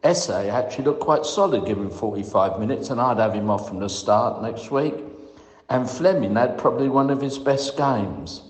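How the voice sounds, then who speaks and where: A man's voice: mid-range voice, moderate pace, darkish tone. A man leaving a voicemail for a podcast, giving a methodical, critical fan's opinion point by point. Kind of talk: prepared point-by-point match opinion. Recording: echoey, reverberant room voicemail.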